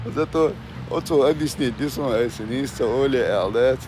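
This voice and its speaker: Over noticeable background noise, a man speaks very slowly at a medium pitch with ordinary pitch variation. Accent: Chechen. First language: Chechen (speaking Russian). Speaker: video blogger. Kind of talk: live stream chat with viewers. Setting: outdoors.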